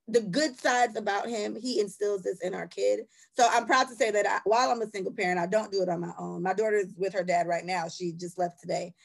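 A woman in her thirties, raised in Jamaica, co-hosting a podcast in loose, casual chat. Her voice has a gravelly edge and sits at a middle pitch. She talks with blunt, profane emphasis. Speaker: podcast co-host.

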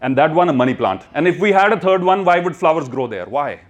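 Higher-voiced North Indian man, motivational speaker. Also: animated, fast. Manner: emphatic, prompting listeners with questions and repetition. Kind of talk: motivational talk to a live audience.

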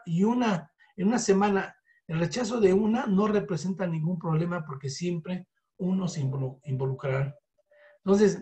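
A man's voice: a little high, warm tone. A man with a Mexican accent giving a motivational sales training talk, coaching listeners and acting out sample phone calls.

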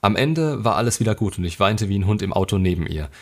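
A man's voice: lowish voice, expressive, quick pace. A man hosting a show, reading a viewer's relationship story aloud and commenting on it bluntly and sarcastically.

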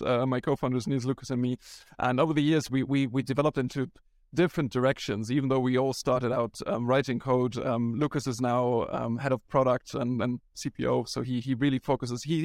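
A man's voice: mid-range voice, steady tone, a little fast, a little mellow, dry recording, clean studio sound. A man from Germany, a startup founder, talking casually in an interview and often restarting his sentences with "um". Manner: rambling, frequent restarts and ums.

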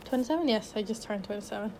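A woman's voice: medium pitch, rapid-fire, background noise. A woman in her twenties from Sweden, hosting a casual unedited solo podcast as a life coach, chatty and upbeat with many fillers and restarts, a bit out of breath. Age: 20s.

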